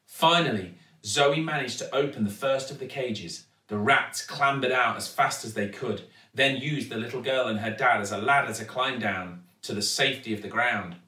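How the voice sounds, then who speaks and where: British guy reading a kids book, lively and dramatic, bright voice, mic a bit far off. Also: mid-range voice, moderate pace. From United Kingdom. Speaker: actor reading a children's book. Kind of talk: expressive storybook narration. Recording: echoey room, distant mic.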